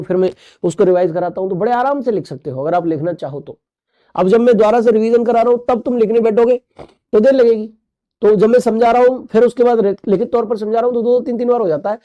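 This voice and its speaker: A man's voice: high voice, warm tone, no room sound, muffled recording. A male teacher giving a recorded class, playful, repeating key terms and asking the class questions. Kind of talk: recorded online class lecture.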